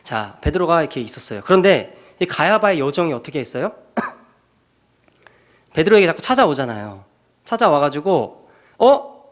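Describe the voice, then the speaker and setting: Animated male pastor preaching. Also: on the high side, moderate pace, long pauses. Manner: animated storytelling, acting out scenes. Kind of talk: sermon.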